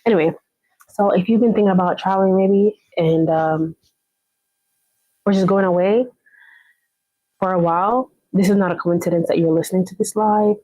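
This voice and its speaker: A woman's voice: mid-range voice, fairly even intonation, moderate pace, pauses often, warm tone, dry recording, low-quality recording. A woman from Jamaica, hosting a casual motivational live chat, encouraging her viewers and often repeating herself to check in with them. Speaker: live stream host.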